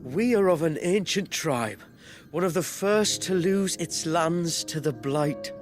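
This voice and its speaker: An actor playing a defiant tribal chief in a video game, speaking earnestly and emotionally. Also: male voice, on the high side, lively intonation, slow pace. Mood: proud, earnest. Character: desperate, defiant young tribal chief, male. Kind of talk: dramatic game dialogue. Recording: music behind.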